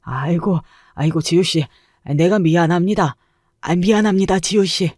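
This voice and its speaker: A woman's voice: fairly low pitch, normal speed, darkish tone, dry recording, close to an everyday voice. A woman voicing a brutish middle-aged stepfather who mocks his stepdaughter and then begs her forgiveness, in a dry, close recording. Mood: groveling. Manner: mocking, then pleading and fawning.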